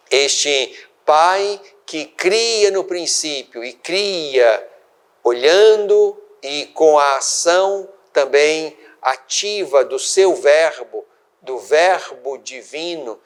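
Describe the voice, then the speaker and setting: Slow, measured older Brazilian bishop. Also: male voice, on the high side. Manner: slow, deliberate, measured phrasing. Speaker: bishop hosting a religious program. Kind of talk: sermon-like reflection.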